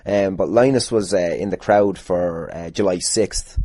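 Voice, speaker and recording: A low-voiced Irish man talks casually on his own podcast, recorded close and dry. His tone is mellow and a bit rough, and he rambles along jokily, swearing freely as he answers questions. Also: unhurried, dry recording. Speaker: podcast host, pro wrestler.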